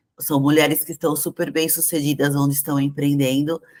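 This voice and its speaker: The sound of this woman's voice is dry and close, without any echo. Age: 40s. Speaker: entrepreneur and career mentor. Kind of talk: personal story talk.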